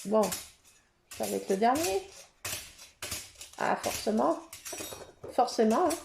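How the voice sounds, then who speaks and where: A woman hosting a casual craft session, chatting to her viewers and thinking aloud as she works, with sudden bursts of excitement. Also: fairly high pitch, slow, vocal fry, noisy background. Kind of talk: casual craft tutorial chat.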